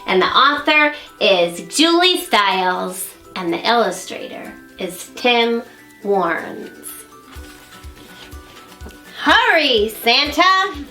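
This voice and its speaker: Woman librarian, storytime reading, slow, lively, echoey room. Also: medium pitch, soft background music. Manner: warm, expressive, addressing children. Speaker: children's librarian.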